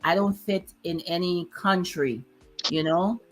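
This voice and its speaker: A chatty woman from Dominica with a lilt and a lowish voice. She talks easily in a relaxed chat, laughing often and slowing down to lean on key words. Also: music in the background, poor audio. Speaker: host. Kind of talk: casual chat.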